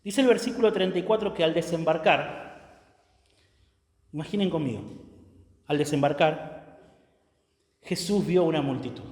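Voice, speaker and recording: A man preaching a sermon as pastor, emphatic, swinging between loud declarations and hushed lines, often checking in with the congregation. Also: on the high side, normal speed, pauses often. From Argentina. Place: church sanctuary. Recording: echoey church hall with long reverb.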